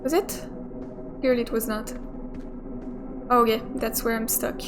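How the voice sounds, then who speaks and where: A young woman casually comments and thinks aloud while playing through a video game, swearing now and then. Her voice is fairly high, with fairly even intonation and a slightly slow pace. Game music plays clearly behind her.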